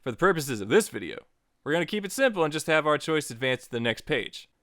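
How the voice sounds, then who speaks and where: A man's voice: a little high, very animated, fast, a bit bright, dry recording, clean studio sound. A man narrating a scripted but casual tutorial as its host, with playful, joking asides.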